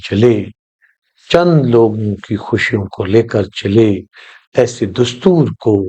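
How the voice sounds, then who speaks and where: His medium-pitched voice has a dark, mellow tone. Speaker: poetry reciter. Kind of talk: poetry reading. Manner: passionate, intense, defiant.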